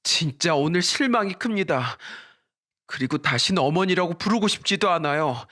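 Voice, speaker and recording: A man voicing an angry husband and eldest son who confronts his mother in a storybook drama. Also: high-pitched. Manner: shouting, indignant.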